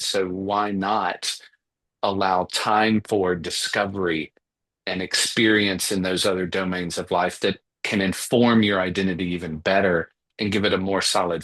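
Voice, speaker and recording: A man's voice: low voice, fairly bright tone. A man hosting a podcast interview, speaking reflectively and affirming his guest, often repeating words as he thinks aloud. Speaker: podcast host.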